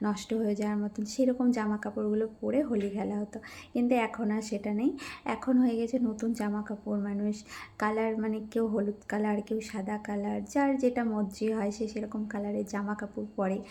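A woman speaks with a somewhat breathy, dark and mellow tone at a fairly high pitch. Her intonation stays monotone and flat. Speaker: lifestyle vlogger. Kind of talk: casual vlog narration.

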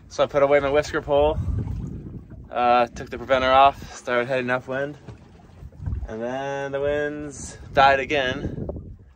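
A man with big swings in loudness and long, frequent pauses over noticeable background noise. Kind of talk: casual vlog chat. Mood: cheerful, relaxed. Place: boat. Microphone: lapel.

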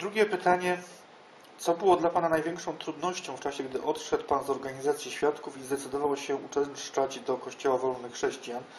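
Through light background noise, a man talks in a fairly high pitch with ordinary pitch variation. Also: fairly quick pace. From northern Poland, Świnoujście; Poland. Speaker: former Jehovah's Witnesses circuit overseer, now church member. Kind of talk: interview answers, personal testimony. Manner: reflective, halting with fillers. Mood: calm, slightly amused. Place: home room. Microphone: camera far.

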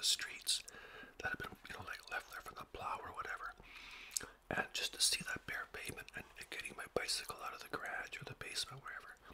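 A man whispering at a fairly quick pace. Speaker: home vlogger. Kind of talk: casual vlog chat. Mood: relaxed reminiscing. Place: home room. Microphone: studio mic.

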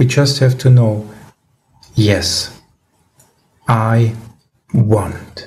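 This is a man speaking. He has a German accent. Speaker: spiritual teacher leading scripture study. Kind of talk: scripture reading and commentary; spiritual discussion, explanatory talk. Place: home room.

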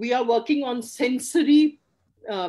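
A woman with an Indian accent talks at a fairly slow pace, her pitch fairly high. Her intonation is lively. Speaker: theatre director and teacher; teacher. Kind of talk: lecture. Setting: video call. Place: home room. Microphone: video call.

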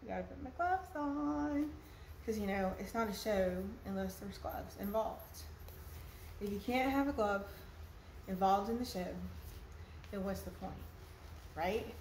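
Amid audible room echo and light background noise, a woman speaks at a moderate pace with long, frequent pauses. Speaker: vlogger. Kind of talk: casual vlog chat. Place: kitchen. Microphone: phone near.

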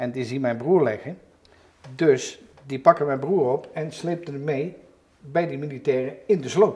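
At a moderate pace, a man talks in a fairly high pitch with a dark, mellow tone and ordinary pitch variation. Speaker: WWII eyewitness. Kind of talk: oral history interview answer.

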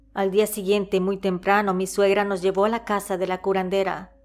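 This woman's voice sits at a medium pitch. Her tone is dramatic. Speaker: storyteller narrating a subscriber's story. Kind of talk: scripted narration of a ghost story. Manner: hushed, suspenseful, slow and somber; dramatic, first-person and emotional.

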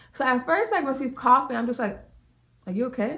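Her intonation stays fairly even. The speaker is a woman. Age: 20s. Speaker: YouTuber. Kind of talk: casual storytime talk to camera. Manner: fast. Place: home room. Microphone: phone near.

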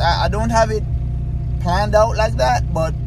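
There is noticeable background noise behind this man. The sound is dry, with no echo. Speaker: car hobbyist vlogger. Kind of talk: casual vlog chat. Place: car. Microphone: phone near.

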